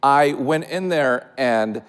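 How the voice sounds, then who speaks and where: A man at a middle pitch rattles off anecdotes on a live stage, laughing as he goes. A long reverb trails his voice through the theater. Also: takes it slowly, clean tone. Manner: animated, giggly anecdote telling. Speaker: podcast co-host. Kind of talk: live podcast chat.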